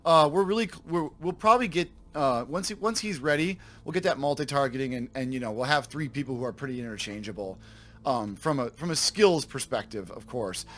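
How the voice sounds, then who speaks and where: A man with a slightly raspy voice from a sore throat, casually commenting on his game for viewers and thinking aloud as he corrects himself. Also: medium pitch, fairly quick, fairly bright tone. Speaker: let's play host.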